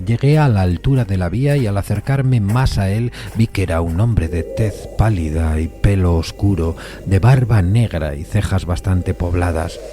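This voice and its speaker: A man giving a measured, literary dramatic narration of a classic suspense story. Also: deep voice, background noise. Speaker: narrator of an audio fiction adaptation.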